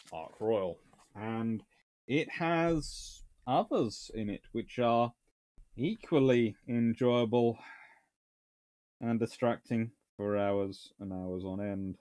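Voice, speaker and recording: A man with a mid-range, slightly mellow voice fields viewer questions during a casual livestream Q&A. He's chatty and wry, with a dry sense of humour, speaking from a small home study with bookshelves.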